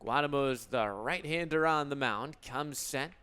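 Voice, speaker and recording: An American man in his twenties calling live baseball play-by-play for radio in a crisp, descriptive announcer delivery. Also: medium pitch, measured pace, sharp tone. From Illinois, United States. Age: 20s.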